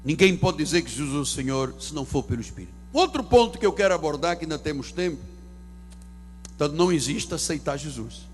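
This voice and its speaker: A man pastor preaches from a church pulpit in a high, lively voice. His delivery is theatrical, leaping between loud declarations and hushed asides. A faint hum runs underneath. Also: fast talker. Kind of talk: sermon. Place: church sanctuary.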